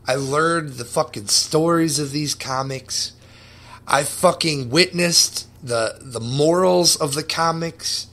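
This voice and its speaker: Slow, bright-voiced excited young man. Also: fairly high pitch. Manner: excited, profane, building enthusiasm. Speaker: podcast host. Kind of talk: casual podcast storytelling.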